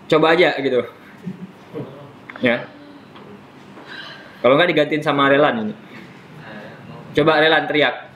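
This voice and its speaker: A man teaches a relaxed classroom lesson on Islamic law, in a fairly high voice. He explains step by step and keeps repeating his key terms. He teases his students now and then, over faint room ambience. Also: highs cut off, a little hiss or hum.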